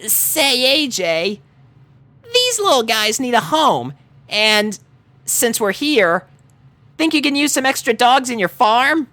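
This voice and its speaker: A man voicing a brash, tomboyish young female pegasus pony who calls out loudly and eagerly. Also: very high-pitched, sing-song, slow, pitched above the performer's own voice, heavily acted.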